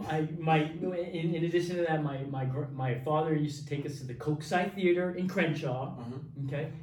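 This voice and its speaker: A man's fairly high pitch and fairly even intonation at a fairly quick pace, with hardly any pauses, over noticeable background noise. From Los Angeles, California. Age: 50s. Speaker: former gymnast and business owner. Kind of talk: casual interview chat.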